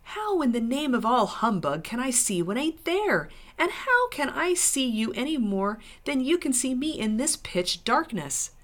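A woman's voice: mid-range voice, very animated, normal speed, fairly bright tone. A woman voicing a surly, stubborn male dwarf in a storybook reading, scornful and scolding in manner. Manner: scolding, blustering, colloquial. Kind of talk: dramatic novel reading.

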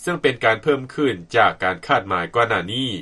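A man's voice: medium pitch, animated, fast talker, sharp tone. A man with a Lao accent reading a scripted news report as a radio reporter.

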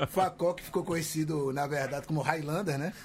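A man banters in a fairly high voice. He is grumpy and sarcastic and swears often. Other voices chatter noticeably in the background. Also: fairly even intonation, a little fast. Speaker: podcast panelist. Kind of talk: casual banter.

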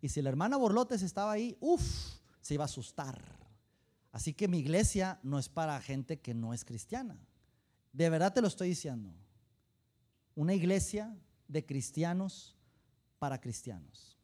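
This pastor speaks with a Mexican accent in a fairly high voice at a moderate pace. He preaches a sermon full of animated, humorous stories and talks directly to the congregation.

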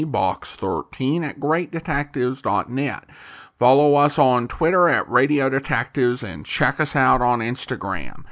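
A man's voice: medium pitch, fairly bright tone. A man introducing episodes as host of an old-time radio podcast, in a plain, friendly promotional manner.

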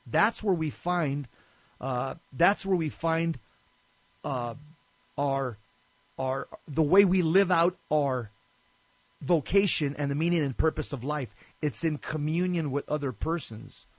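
Male Catholic talk host, earnest and preachy, a little high-pitched, dry close sound. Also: slow, long pauses, dry recording, low-quality recording. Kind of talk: religious talk, reading and commenting on articles.

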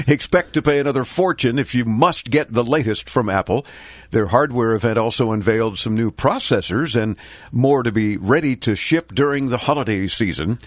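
A man's voice: medium pitch, expressive, moderate pace, no echo, clean studio sound. An older man hosting a tech news radio show, nasal and stuffy from a cold, delivering sarcastic quips. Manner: sarcastic, quipping commentary. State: congested with a cold. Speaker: host.

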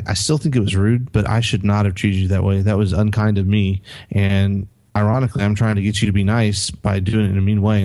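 Man, middle-aged, podcast co-host, lowish voice, halting speech, casual storytelling. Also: dark tone. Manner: halting, many restarts, storytelling with acted-out quotes.

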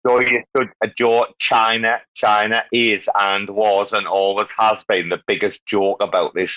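A man hosting a casual group chat, talking in a rambling, excitable way and swearing now and then. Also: fairly low pitch, measured pace. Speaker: host of a live audio chat room. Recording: muffled lo-fi line.

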